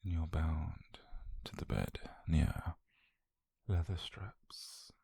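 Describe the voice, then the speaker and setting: Casting: male actor as calm, possessive yandere doctor, British, for ASMR roleplay; dark, breathy, creaky voice, very slow, intimate delivery. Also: very deep voice, full character voice. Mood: clinical, menacing. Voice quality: breathy, husky near-whisper.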